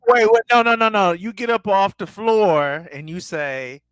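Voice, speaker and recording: A man co-hosting a podcast, speaking in a measured, thoughtful way with many fillers. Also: sits high, expressive, fairly bright tone, smooth, no room sound. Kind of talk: casual podcast commentary.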